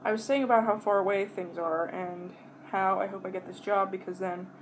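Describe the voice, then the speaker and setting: A woman vlogger rambling casually to her viewers while she eats, pausing to chew between bites, with blunt, sweary talk. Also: medium pitch, steady tone, a little hiss or hum, rough recording. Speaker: mukbang vlogger.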